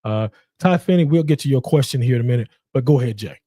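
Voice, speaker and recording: A man's voice: mid-range voice, lively intonation, fast, dark tone, dry recording, studio quality. A man casually hosting a live boxing call-in show in a rambling, repetitive way. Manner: rambling, repeats himself.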